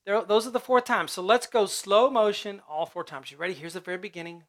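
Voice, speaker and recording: A man with a high voice teaching a piano piece step by step, chatting casually as he calls out note names and hums the riffs. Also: fairly quick. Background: loud piano playing.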